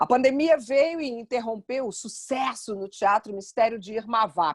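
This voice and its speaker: Heard in a dry, close sound with no echo, a woman with a normal speaking voice talks at a moderate pace, fairly high in pitch with ordinary pitch variation and big swings in loudness. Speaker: TV presenter, interviewer. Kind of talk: show intro narration.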